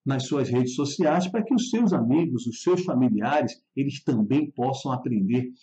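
A man teaching English in a live online lesson, speaking to viewers in a friendly way and slowing down to say model phrases clearly. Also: medium pitch, lively intonation, dark tone, low-quality recording. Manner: friendly, addresses viewers directly.

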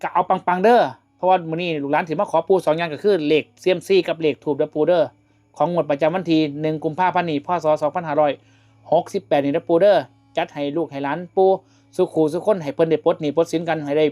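A man's voice: a little high, steady tone, fast talker, dark tone. A young man with an Isan Thai accent hosting a casual outdoor show, chatting and reciting invocations. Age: young adult. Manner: chatty, prayer-like invocations to a spirit. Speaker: host. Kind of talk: casual chat.

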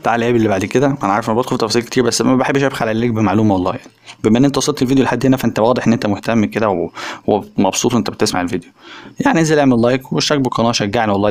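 A man's voice: medium pitch, racing. A man with an Egyptian accent giving a casual, chatty phone review voice-over, speaking directly to viewers. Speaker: tech reviewer.

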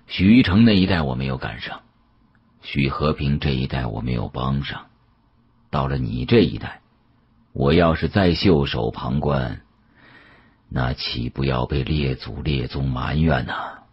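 A man voicing a kindly, shrewd old male patriarch in an audiobook, husky and hushed, with a measured, avuncular manner. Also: a bass voice, dull audio, pitched below the performer's own voice, exaggerated voice.

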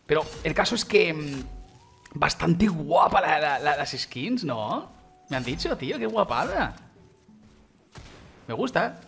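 Excitable Spanish gamer man. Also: fairly high pitch, takes it slowly, creaky, long pauses, soft background music. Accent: Spain Spanish. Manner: excitable, gushing, peppered with mild swearing and filler. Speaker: gaming YouTuber. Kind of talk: let's play commentary.

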